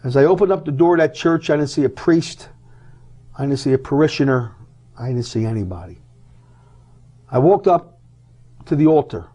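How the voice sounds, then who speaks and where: A man's voice: on the high side, lively intonation, moderate pace, long pauses, mellow, breathy edge. A middle-aged man, a guest on a TV talk show, telling an emotional personal story and acting out what each person said. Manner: dramatic, acts out each person's lines in the retelling. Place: TV studio.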